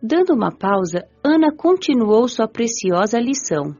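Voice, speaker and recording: An actress playing a gentle, curious young woman spirit who narrates her afterlife in a measured, earnest radio drama style. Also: a little high, very animated. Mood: serene, reflective. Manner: measured, earnest, careful storytelling. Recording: muffled audio with music underneath.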